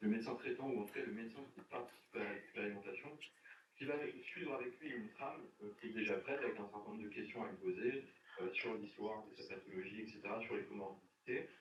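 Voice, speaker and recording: Speaking at a very fast pace, this man is heard with audible room echo. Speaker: social psychologist presenting a health program. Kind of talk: presentation in an online meeting. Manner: hesitant, many fillers.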